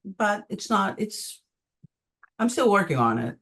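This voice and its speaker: An older woman from Greece with a Greek accent, answering audience questions on a video call with many pauses and ums. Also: mid-range voice, big pitch swings, a bit bright. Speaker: conference presenter answering questions.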